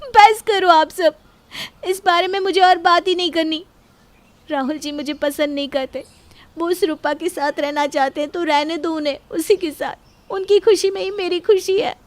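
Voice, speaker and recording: High-pitched woman, emotional and pleading. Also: steady tone, normal speed. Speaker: voice actor in an audio story. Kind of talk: dramatic storytelling dialogue.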